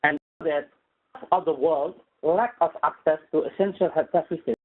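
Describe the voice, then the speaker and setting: A man with an Indonesian accent, a guest professor, delivers a formal academic lecture in halting, non-native English. His voice is a little high, and the audio is tinny, like a phone.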